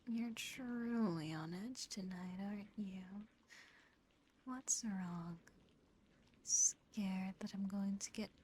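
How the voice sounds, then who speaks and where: A woman voicing a teasing, condescending, darkly affectionate female demon in a breathy, close-miked ASMR whisper. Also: medium pitch, dark tone, close to an everyday voice. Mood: menacing teasing. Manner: slow, taunting, lingering over words. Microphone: close ASMR microphone. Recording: faint background noise and ambience.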